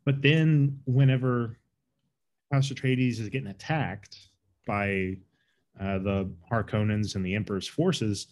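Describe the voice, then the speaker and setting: A man's voice: fairly low pitch, steady tone, measured pace, a little mellow. A man co-hosting a podcast, giving loose, opinionated takes on a film. He rambles, often restarts his sentences, and circles back to make his point. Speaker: podcast co-host. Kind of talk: casual movie review chat.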